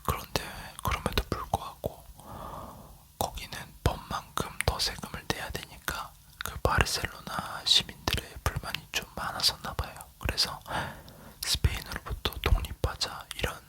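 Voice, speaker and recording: An ASMR creator from South Korea leaning in to whisper, chatting casually as they tell a travel story. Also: bright, forceful tone.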